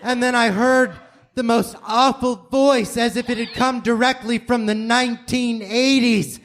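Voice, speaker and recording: A man playing a dazed, eager, bumbling woman hero in an improvised stage radio play, halting and repeating words. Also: very high-pitched, steady tone, fairly bright tone. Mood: dazed, amused. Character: dazed, eager woman turned bumbling magical vampire slayer. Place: live comedy theater stage. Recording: noisy live theater stage recording.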